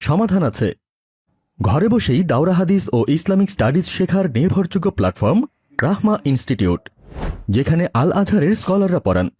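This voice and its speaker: A man's voice: on the high side, mellow, slightly rough, no echo, studio quality. A man reading scripted promotional narration as an advertisement voice-over artist.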